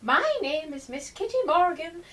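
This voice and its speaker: A woman playing a bossy, sharp-tongued eccentric in a radio play, switching between scolding and condescending endearments. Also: high-pitched, normal speed, recorded from a distance. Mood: condescending, sweet.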